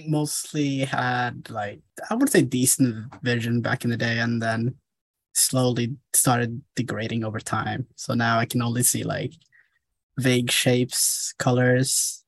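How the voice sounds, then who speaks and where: A man from Somalia, a guest music producer, talking casually and softly in an interview, with laughs between phrases. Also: medium pitch, level tone, unhurried, gravelly, dry recording.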